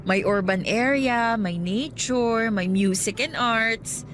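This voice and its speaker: Actress as a playful, higher-pitched young woman in love drama. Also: slow pace. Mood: relaxed, chatty. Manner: teasing, girlish, expressive exclamations. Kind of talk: radio romance drama dialogue. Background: music.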